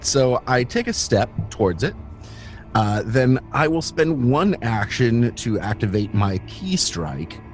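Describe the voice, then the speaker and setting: A man's voice: mid-range voice, lively intonation, slow pace, soft background music. A man talking casually and matter-of-factly as a player in a tabletop roleplaying game.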